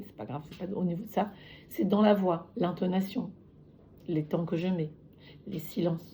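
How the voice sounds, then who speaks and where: Using a put-on character voice, a woman speaks hoarsely at medium pitch and a moderate pace, with long, frequent pauses and big swings in loudness. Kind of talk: teaching, explanatory.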